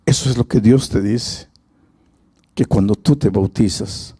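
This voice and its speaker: A man's voice: fairly low pitch, a little slow, mellow, slightly rough, dry recording. A male pastor preaching a sermon, telling a story in a dramatic way.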